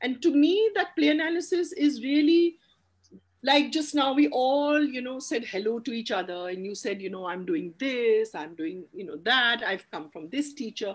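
Against a quiet background, a woman with an Indian accent speaks high at a moderate pace, with very wide pitch swings and big swings in loudness. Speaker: theatre director and teacher; teacher. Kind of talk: lecture. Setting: video call. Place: home room. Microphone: video call.

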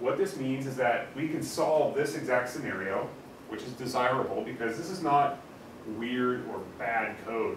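A man speaks with ordinary pitch variation, with audible room echo and noticeable background noise. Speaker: lecturer. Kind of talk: lecture. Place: classroom. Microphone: camera far.

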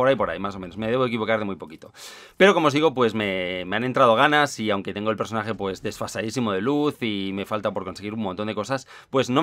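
A man talks at a very fast pace. His voice is fairly low, with ordinary pitch variation. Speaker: gaming YouTuber. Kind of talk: casual vlog monologue. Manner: hesitant, many fillers.

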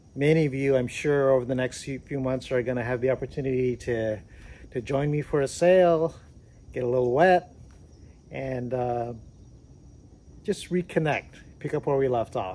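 A man talks at a moderate pace with long, frequent pauses. His tone is dark and mellow, and his pitch varies in an ordinary way. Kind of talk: casual vlog chat. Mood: relaxed, content. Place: garden.

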